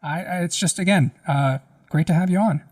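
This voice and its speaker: Slightly hoarse man, fairly high voice. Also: a little fast, a little mellow, no echo, studio quality, distant mic. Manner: rambling, restarts often. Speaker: podcast co-host. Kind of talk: casual conversation. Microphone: very close to the microphone.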